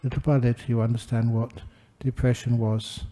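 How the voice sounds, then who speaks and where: An older man gives an unhurried Buddhist talk with gentle humor. His voice sits at an everyday pitch but sounds deeply dark and mellow. His delivery is warm in pace and easygoing. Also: flat delivery. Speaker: Buddhist monk giving a dharma talk. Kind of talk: relaxed dharma talk with anecdotes.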